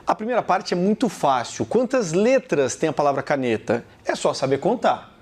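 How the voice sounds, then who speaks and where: In a recorded lesson, a male teacher with a Brazilian Portuguese accent faces the viewer and slowly repeats example words. His fairly high voice is slightly rough and moves through big pitch swings.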